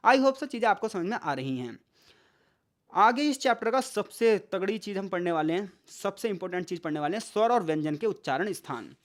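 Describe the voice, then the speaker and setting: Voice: medium pitch, expressive. Tutor quizzing and sounding out syllables. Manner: poses questions and answers them, sounds out syllables slowly; mixes English words into speech. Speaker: exam tutor. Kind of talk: explanatory online lesson.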